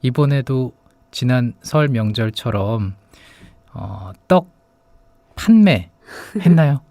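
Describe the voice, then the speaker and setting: A man's voice: mid-range voice, lively intonation, takes it slowly, warm tone, no room sound. A man hosting a radio show in a casual, conversational way. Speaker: radio show host, announcer.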